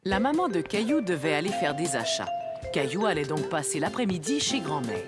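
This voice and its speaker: A woman narrating a children's cartoon like a storybook, in an expressive storytelling manner. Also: low voice, brisk, loud music behind the voice.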